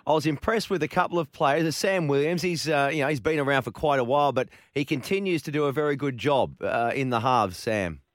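Chatty sports radio host. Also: male voice, medium pitch, brisk, hardly any pauses, dry recording, clean studio sound. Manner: chatty, friendly, lots of fillers.

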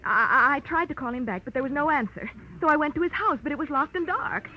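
An actress playing a self-assured but panicky rich young client in 1940s radio style, urgent and insistent. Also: female voice, sits high, animated, fast talker. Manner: urgent, insistent, breaking into stammers. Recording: dull old radio recording, faint noise.

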